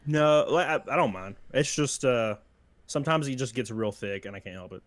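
A man's voice: mid-range voice, expressive, moderate pace, no echo. A young man with a Southern drawl talks loosely and jokes at his own expense. His voice sits in a middle range and sounds close and dry, with no room around it. He chats casually, as if on a video call. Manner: laid-back, self-mocking, laughs often. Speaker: YouTuber podcast guest. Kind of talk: casual podcast chat.

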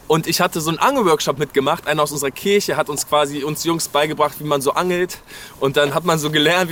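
A man's voice: fairly high pitch, fairly bright tone, a little hiss or hum. A man from Berlin preaching a sermon and speaking directly to listeners, urging them with frequent calls of "hey". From Berlin, Germany. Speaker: pastor. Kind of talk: New Year sermon.

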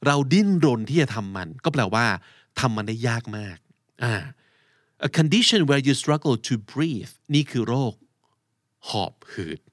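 A man hosting a podcast vocabulary lesson, explaining words slowly and spelling letters aloud. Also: mid-range voice, very animated, no room sound, studio quality. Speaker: English vocabulary podcast host.

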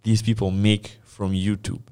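A man's voice: on the low side, little pitch movement, a little slow, a little mellow, clear, resonant tone. A young man co-hosting a podcast, talking candidly and asking questions in a loose, slangy way. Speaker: podcast co-host. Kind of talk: casual podcast interview.

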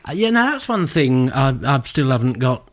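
A man chatting casually as a podcast co-host, playful and quick to laugh. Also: mid-range voice, sing-song. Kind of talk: casual chat.

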